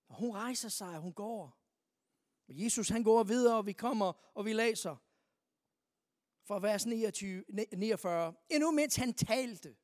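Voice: medium pitch, no echo. Preacher with a dry, close sound. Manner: asks the listeners repeated rhetorical questions. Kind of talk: sermon with scripture reading.

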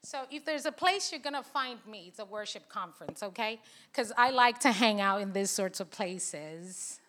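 Bright chatty woman from Zambia. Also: medium pitch, lively intonation, moderate pace. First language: not English. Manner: chatty, laughing, audience banter. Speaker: conference speaker. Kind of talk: sermon with casual asides. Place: large conference hall.

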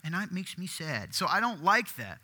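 Male pastor, deeper voice, gets worked up, very bright tone, slightly high pitch for a man. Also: normal speed. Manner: excitable, conversational, asks the crowd questions. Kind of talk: sermon. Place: church hall with congregation. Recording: long hall reverb.

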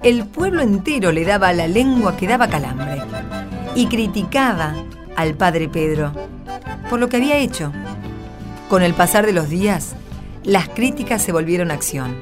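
A woman with an Argentine accent narrates a radio drama. Her voice is fairly low, with a lively, sweeping melody. Plucked guitar music plays clearly beneath her. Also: normal speed.

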